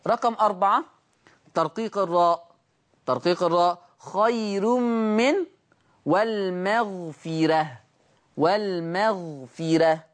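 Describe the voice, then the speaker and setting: A man teaching Quran recitation rules on a TV program. He asks rhetorical questions, answers them, and chants the example words slowly. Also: sits high, fairly bright tone. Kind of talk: televised recitation lesson.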